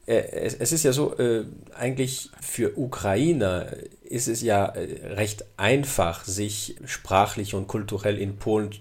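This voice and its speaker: A man's voice: fairly low pitch, measured pace, few pauses. A male guest in a conversation who explains things at length, hesitating and repeating words as he goes.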